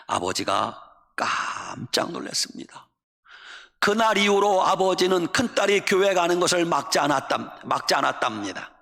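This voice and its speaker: A man's voice: sits high, pushed and bright. A male pastor preaching a sermon, telling a story animatedly and asking the congregation questions. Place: church sanctuary. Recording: echoey church hall.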